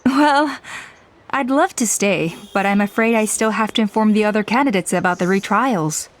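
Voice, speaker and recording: A woman's voice: medium pitch, natural voice. A woman voicing a dignified tribal elder in a game, speaking formally and courteously. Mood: earnest. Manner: formal, measured, apologetic.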